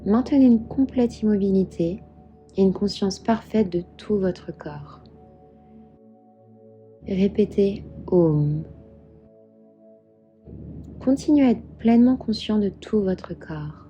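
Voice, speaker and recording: A woman with a very soft, dark, relaxed voice leads a guided meditation over background music. She speaks slowly and soothingly, giving each instruction in a calm, measured way at a medium pitch. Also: dull audio.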